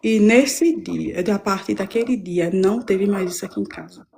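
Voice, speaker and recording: Woman, mellow warm voice, fervent rambling testimony, restarts a lot, live stream from home. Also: medium pitch, moderate pace, creaky, a little hiss or hum. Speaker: guest giving a church testimony.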